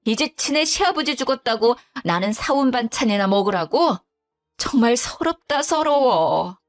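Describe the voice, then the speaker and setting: A woman's voice: on the high side, lively intonation, fairly quick, faint music behind, voice pushed up, lightly acted. A woman voicing a grumbling, self-pitying widowed mother-in-law who speaks curtly. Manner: curt, self-pitying, sighing.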